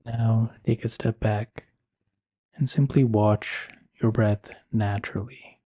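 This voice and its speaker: A man leading a guided meditation in a soothing, measured and gentle manner. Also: lowish voice, steady tone, no room sound.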